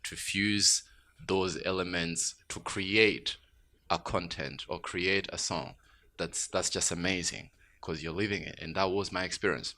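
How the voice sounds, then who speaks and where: Deep-voiced, bright Tanzanian man. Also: a little slow. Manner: reflective, grows animated and emphatic when excited. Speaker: guest musician. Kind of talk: radio studio interview. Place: radio studio.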